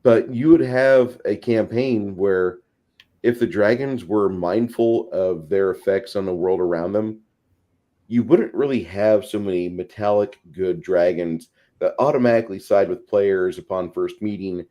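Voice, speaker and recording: A man's voice: lowish voice, measured pace, dark tone, lo-fi sound. A man in a casual panel discussion, explaining at length in wordy, slightly formal phrasing. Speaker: tabletop gaming discussion panelist.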